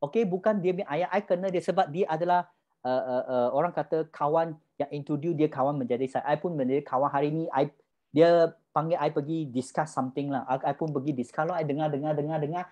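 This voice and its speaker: A woman's voice: low-pitched, a little fast, dark tone, lo-fi sound. A woman giving an emphatic motivational talk as a business mentor, firing rhetorical questions at her listeners and switching freely between languages.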